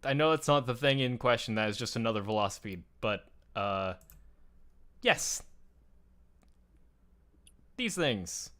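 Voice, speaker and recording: A man's voice: medium pitch, animated, measured pace, pauses often, fairly bright tone. A man chatting casually and explaining things in a conversational, enthusiastic way, as a show host.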